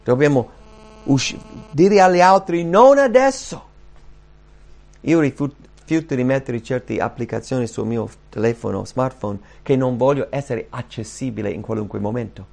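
A man preaching a sermon, earnest, rising and slowing down when he quotes scripture. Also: mid-range voice, vocal fry, dark tone. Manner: earnest, rises and slows when quoting scripture.

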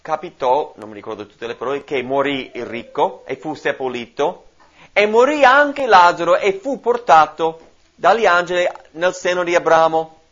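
A man's voice: fairly high pitch, expressive, normal speed, fairly bright tone. A man teaching from the Bible in a sermon, explaining and asking his listeners questions. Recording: dull lo-fi recording.

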